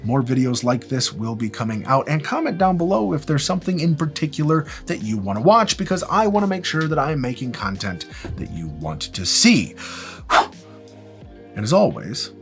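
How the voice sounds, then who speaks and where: A man's voice: mid-range voice, sing-song, normal speed. A man presenting an instructional video, explaining things emphatically and restating key points in a structured way. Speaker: video host, tutorial presenter. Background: background music.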